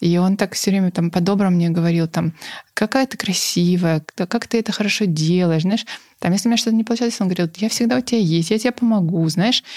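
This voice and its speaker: At a very fast pace, a woman talks with medium pitch and ordinary pitch variation in a dry, close sound with no echo. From Novorossiysk, southern Russia. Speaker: business founder and CEO. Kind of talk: casual interview conversation. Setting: office, recorded in company office.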